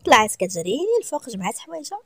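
A woman with a Moroccan accent reading a romance story aloud, brisk and even, dropping to a soft whisper at times. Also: on the high side, husky, no room sound.

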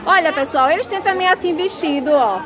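A chatty northeastern woman with a high voice gushes over bargains as she films an open-air market on her phone. The crowd of shoppers is clearly heard behind her. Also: brisk. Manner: gushing, chatty, repeats "minha gente". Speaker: shopping vlogger. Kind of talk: excited market walkthrough. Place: outdoor clothing market stalls. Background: busy market crowd.

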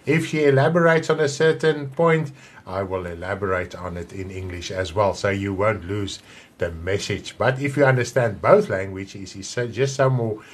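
A man in his fifties with a South African accent, an Afrikaans speaker, chatting warmly and rambling through a church broadcast welcome from his home. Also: on the low side, normal speed. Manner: chatty, rambling, with many restarts and hand gestures. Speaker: pastor. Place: home room with wall of plates, indoors.

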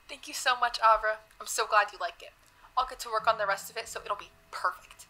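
A woman's voice: fairly high pitch, steady tone, moderate pace, sharp tone, poor audio. A young woman playing an eager, nervous cub reporter in an audio drama, chatty, hesitant and self-conscious. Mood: relieved, grateful.

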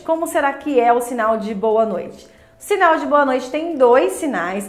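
A Brazilian woman teaching sign language in a lively, demonstrative way, repeating each phrase as she shows it. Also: high-pitched, echoey room. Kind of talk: friendly instructional explanation.

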